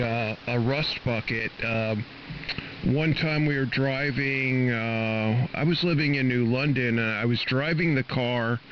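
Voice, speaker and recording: An American man, middle-aged, chatting casually and haltingly as a ham radio operator over a shortwave AM link. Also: mid-range voice. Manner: halting, rambling. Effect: shortwave AM radio transmission. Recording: noisy, muffled shortwave radio reception. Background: radio static.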